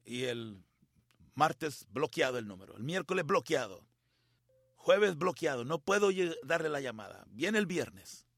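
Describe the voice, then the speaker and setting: A middle-aged man preaching a sermon, telling a personal story with feeling and dramatic pauses. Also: a little high, very animated, a bit bright, husky, no echo, studio quality. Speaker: pastor.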